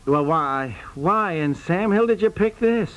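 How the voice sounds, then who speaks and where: An actor playing an exasperated but good-natured young husband, hesitant and protesting, in a 1950s radio comedy recording. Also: male voice, high-pitched, expressive, measured pace, highs cut off.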